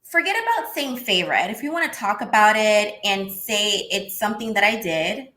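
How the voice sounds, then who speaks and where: A woman in her thirties with a high-pitched voice, talking in a casual, outspoken way as a guest on a video call interview. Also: normal speed. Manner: animated, outspoken, swears casually. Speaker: interview guest, former wrestler. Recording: echoey room.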